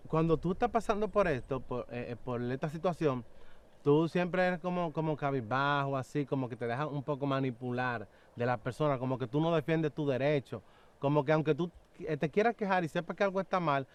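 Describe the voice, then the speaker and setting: A young man recounts his testimony in an earnest, halting way, full of fillers and little acted-out quotes. His voice sits a bit high and comes through smooth and clear. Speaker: guest giving testimony. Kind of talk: personal testimony in an interview.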